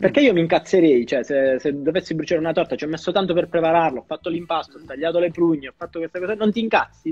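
Speaking very fast with hardly any pauses, a man with a high pitch shows big swings in loudness and ordinary pitch variation. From Basilicata, southern Italy. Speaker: guest, book enthusiast. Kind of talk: casual chat about books. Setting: video call.

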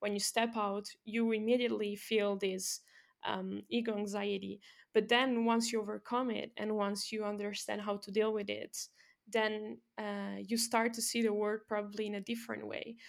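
At a moderate pace, a woman speaks in a medium pitch with flat, monotone intonation. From Italy. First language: Italian. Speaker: podcast host. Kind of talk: interview.

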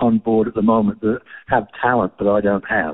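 This is a man speaking. He has an English Midlands accent. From England, Northampton. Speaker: former band musician. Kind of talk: casual chat.

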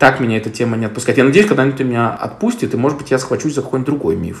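Amid noticeable background noise, a man talks at a medium pitch with ordinary pitch variation. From Kyrgyzstan, Tokmok. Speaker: writer and teacher. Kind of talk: interview.

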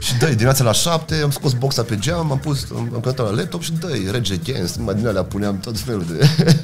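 At a moderate pace with hardly any pauses, a man talks in lively intonation amid audible room echo and noticeable background noise. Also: medium pitch for a man. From Romania, Bacău (Moldavia region). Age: 40s. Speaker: rock musician. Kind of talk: casual chat.

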